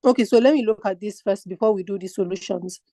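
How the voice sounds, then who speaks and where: Woman from nigeria, online finance tutor, mellow tone, dry close sound, patient step-by-step explaining. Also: mid-range voice, fast, no room sound. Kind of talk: online lecture.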